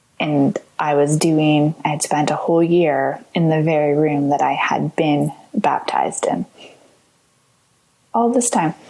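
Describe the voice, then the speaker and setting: A woman with a Canadian accent speaks at a fairly slow pace, her pitch very deep and low. Her loudness stays very even, with ordinary pitch variation and long, frequent pauses. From Ontario, Canada (Ottawa and London). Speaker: writer and photographer. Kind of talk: interview conversation. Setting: podcast interview.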